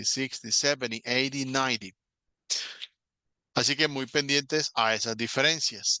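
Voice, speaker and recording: A man teaching an online English class, patiently explaining step by step and saying English words slowly as examples. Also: mid-range voice, bright, forceful tone, smooth, dry recording.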